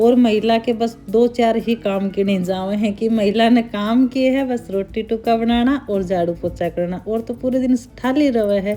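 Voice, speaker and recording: Over noticeable background noise, a woman talks with hardly any pauses and a Haryanvi accent. Her pitch is fairly high and her intonation fairly even. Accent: Haryanvi dialect, unchanged. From Haryana, India. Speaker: housewife vlogger. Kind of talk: casual vlog chat while doing chores. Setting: home kitchen.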